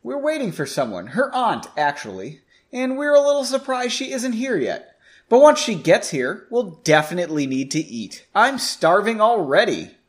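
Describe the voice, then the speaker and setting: Cheeky young guy mage, glib and teasing, pitch jumping around, read by a narrator. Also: sing-song, normal speed, close to an everyday voice.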